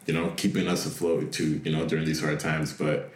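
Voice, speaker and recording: Very deep, flat-voiced laid-back man. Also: a little fast. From Canada. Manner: laid-back, many fillers. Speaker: guest, clothing brand owner. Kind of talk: casual radio interview. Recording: roomy echoey room.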